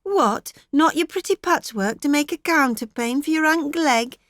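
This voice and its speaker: Woman narrator as dull-witted mother, fretful, coaxing, complaining, lifted pitch, dry close storybook recording. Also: moderate pace, a bit bright, no echo. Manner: fretful, plaintive scolding.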